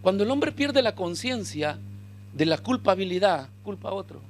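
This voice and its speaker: Animated high-voiced preacher, bright tone. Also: male voice, normal speed, slight background noise. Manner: animated preaching, shouting in peaks, acting out dialogue. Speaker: pastor. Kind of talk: sermon.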